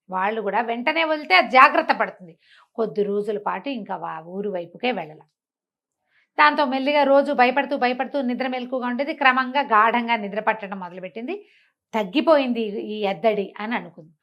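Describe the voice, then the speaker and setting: A woman with a somewhat high voice narrates a comic folk tale. She tells it in a chatty, animated manner, circling back over phrases as she goes. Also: a little fast, lo-fi sound. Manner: conversational, repeats phrases and acts out dialogue. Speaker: storyteller.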